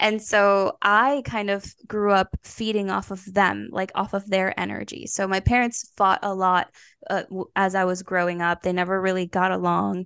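A woman at medium pitch with a normal speaking voice, fairly even intonation and a moderate pace, against a quiet background. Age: 20s. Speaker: spiritual life coach. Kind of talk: casual chat.

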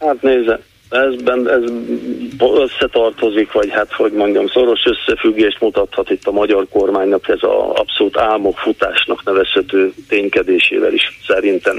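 A man keeps his loudness very even at a moderate pace, and noticeable background noise is audible. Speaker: caller. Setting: phone call.

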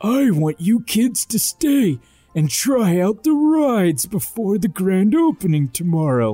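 A put-on character voice moves at a fairly slow pace from a middle pitch, with very wide pitch swings. Faint music plays in the background. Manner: creepy, menacing.

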